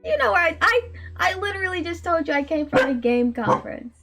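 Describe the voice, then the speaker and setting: A woman in her late twenties with a very high, small voice, telling a story in a casual chat full of laughs and fillers. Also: fairly quick, soft background music. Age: late 20s. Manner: animated, laughs often, frequent likes and ums. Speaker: indie game developer and streamer.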